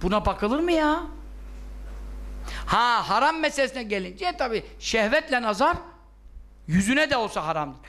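A man's voice: very high voice, very animated, normal speed, long pauses, bright, forceful tone. A man giving a religious lesson in an emphatic, scolding way, full of rhetorical questions that he answers himself. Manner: rhetorical questions, acts out objections. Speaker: religious teacher.

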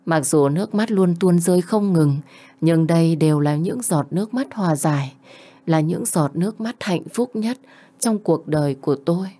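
A woman in her twenties tells a first-person family story with tender emotion. Her voice is slightly low and her delivery is heartfelt, in the manner of an audiobook narration. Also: normal speed, warm tone. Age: 20s.

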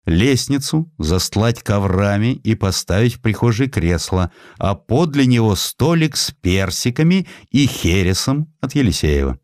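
A man's voice: lowish voice, sing-song, a little slow, hardly any pauses, a little mellow, dry recording, studio quality. A man voicing an imperious, capricious eminent doctor, curt and commanding, in a dramatised audiobook. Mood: curt, haughty.

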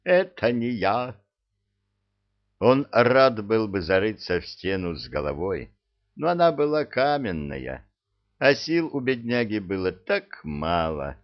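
A man's voice: on the low side, very animated, measured pace, muffled recording. A man narrating a comic storybook tale with a wry, humorous manner.

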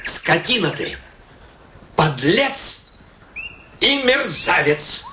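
An actor playing an irritable, self-pitying middle-aged husband in a radio play, spluttering and hesitant with theatrical outbursts. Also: male voice, sits high, very animated, drawn-out words, noisy background, heavily acted. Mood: furious. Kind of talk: Russian radio play acting.

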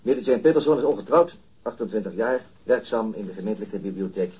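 A police detective in a radio play. His voice is very husky and his delivery quick, formal and coolly insistent as he interrogates. The recording is dull and lo-fi. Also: on the low side, animated. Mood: formal, probing. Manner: formal, measured politeness, insistent. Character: male police detective inspector, formal, persistent, coolly pressuring. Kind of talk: radio drama dialogue, interrogation.

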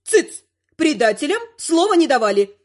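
Man putting on a bossy loud old granny. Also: very high voice, very animated, normal speed, pitched above the performer's own voice, heavily acted. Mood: scolding. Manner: scolding, shouting. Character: bossy loud old grandmother, sharp-tongued.

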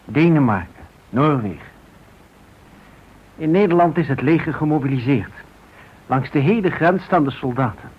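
Male narrator, husky, solemn and deliberate; wartime radio play, slightly muffled sound. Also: medium pitch. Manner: deliberate, dramatic short phrases. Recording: dull radio recording.

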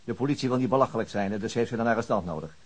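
An actor playing a dogged, weary, principled police detective in a Dutch radio drama, dry and stubborn in manner. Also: male voice, mid-range voice, racing, breathy edge, natural voice. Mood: stubborn, irritated.

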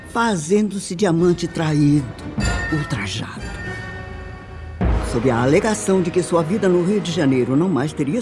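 An actress playing a wronged, bitter woman recounting her past life in a radio soap opera, with emphatic delivery and dramatic pauses. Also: lowish voice.

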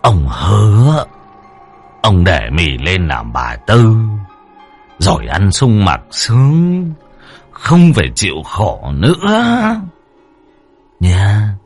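A man voicing a domineering, lecherous old landlord who speaks slowly in a low, coaxing voice. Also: wildly swooping pitch, slightly rough, faint music behind, full character voice. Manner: slow, coaxing, gloating, low.

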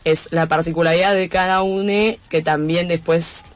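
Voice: mid-range voice, fairly even intonation, moderate pace. A radio guest in a studio, speaking reflectively and searching for words, often ending with tag questions. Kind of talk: casual radio conversation.

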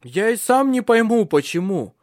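A man reading a story aloud, voicing a clumsy, exasperated young nobleman who complains loudly. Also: high voice, expressive, fairly quick, no echo, studio quality, voice pushed up.

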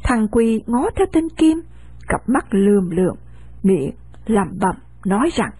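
A woman reading a novel aloud in a steady storytelling manner. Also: medium pitch, a little slow, slightly rough, dry recording. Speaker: narrator.

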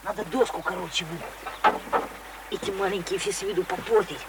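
A man's voice: high voice, fairly even intonation, normal speed, close to an everyday voice. A man playing a mischievous, defiant village boy in a radio play, talking in an offhand, colloquial way. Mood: scheming, impatient. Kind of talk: Russian radio play acting. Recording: noisy old radio play recording.

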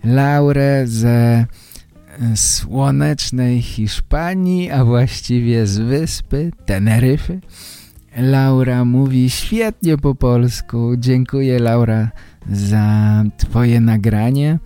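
A male podcast host presents to language learners with careful, deliberate phrasing. His voice is mellow and slow, with guitar music clearly behind it. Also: mid-range voice, dry recording.

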